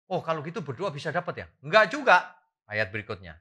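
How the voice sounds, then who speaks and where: Animated preacher man, bright lively voice. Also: a little high, brisk, slightly rough. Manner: animated, swings from quiet asides to loud exclamations; asks the congregation questions. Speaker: pastor. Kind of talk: sermon.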